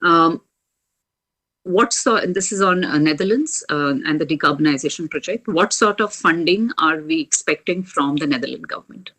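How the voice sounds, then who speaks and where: A woman moderating a corporate earnings call, measured and businesslike, pausing often as she reads out questions. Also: low-pitched, a bit bright.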